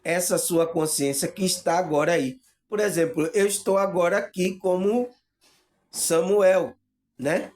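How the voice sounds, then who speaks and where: A man with a Bahian Brazilian accent gives a spiritual teaching monologue to his viewers, often pausing on hesitant fillers and checking whether they understand. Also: sits high, steady tone, darkish tone. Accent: Bahian Brazilian Portuguese. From Salvador, Bahia, Brazil. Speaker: spiritual video host.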